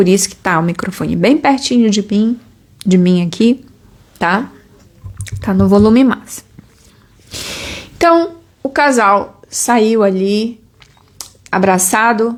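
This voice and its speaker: Her pitch is fairly high, and this woman speaks quietly at a very slow pace. Her intonation is lively, with long, frequent pauses. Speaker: tarot reader streamer. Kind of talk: live stream commentary. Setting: live stream. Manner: softened, quieter voice; tends to sound like shouting.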